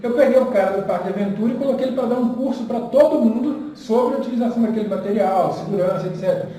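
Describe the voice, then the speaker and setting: A man speaks in a relaxed, earnest and encouraging way, as a guest teacher in an easygoing chat. His voice is high for a man and mellow. He sits back from the mic in a roomy, echoing space with faint noise underneath. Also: quick pace. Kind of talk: casual conversation. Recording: echoey room, distant mic, faint noise.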